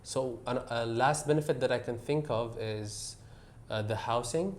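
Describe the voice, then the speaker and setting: A man's voice: mid-range voice, unhurried, a little hiss or hum. A middle-aged man from the United Arab Emirates, a guest answering interview questions in a hesitant way with many fillers, moving between English and Tagalog. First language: Arabic.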